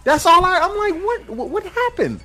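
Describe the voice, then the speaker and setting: A man's voice: very high-pitched, very animated, normal speed, bright, forceful tone, faint music behind. A man co-hosting a casual pop-culture podcast, joking around and laughing often. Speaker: podcast co-host.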